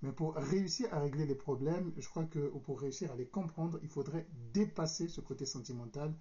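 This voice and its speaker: A man from the Republic of the Congo, with a Congolese accent, gives formal, deliberate political commentary, pausing hesitantly as he searches for words. His voice is a little high and warm, and the recording sounds dull and lo-fi.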